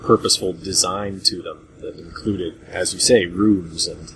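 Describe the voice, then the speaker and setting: Low-voiced man hosting over background noise. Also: fairly even intonation, measured pace, fairly bright tone. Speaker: podcast host. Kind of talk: casual group discussion about retro games. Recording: noisy low-grade voice chat recording.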